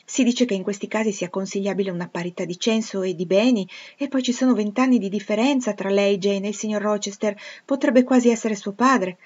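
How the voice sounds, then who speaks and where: A cautious old housekeeper gives careful, earnest counsel, read by a woman. Her tone stays measured and a touch sceptical, with steady emphasis. The recording sounds slightly muffled. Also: mid-range voice, close to an everyday voice. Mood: doubtful.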